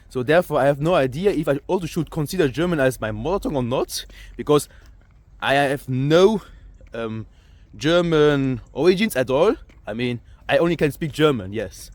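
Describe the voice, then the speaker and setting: A young man from Luxembourg with a Luxembourgish accent, chatting casually to camera, often repeating himself and filling pauses with "I mean" and "yeah". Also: a little high, a little mellow. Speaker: language vlogger. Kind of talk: casual vlog talk to camera.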